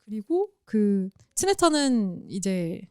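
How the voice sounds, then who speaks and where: Woman, casual podcast co-host, explanatory, animated, dry close recording. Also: mid-range voice, slow, clean tone, no echo. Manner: explanatory, animated, imitates sounds. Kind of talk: casual chat.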